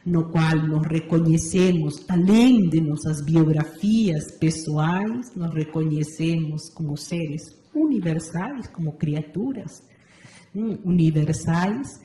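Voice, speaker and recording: A woman in her sixties from Argentina with an Argentine Spanish accent, answering interview questions in a measured, thoughtful way and often adding a questioning tag. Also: low-pitched, mellow, a little hiss or hum. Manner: measured, thoughtful, frequent "não é certo" tag. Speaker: interview guest, meditation teacher. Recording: roomy echo.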